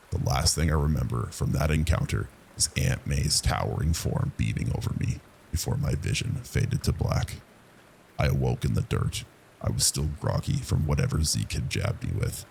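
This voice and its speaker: A man narrating a scripted first-person horror story in a low, haunting, gravelly voice. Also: a little hiss or hum, poor audio. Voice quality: very deep, gravelly.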